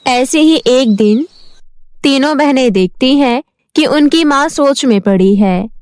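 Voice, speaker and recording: Casting: female bedtime-story narrator, unhurried and high-pitched, dry close sound. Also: lively intonation, a little mellow, no room sound.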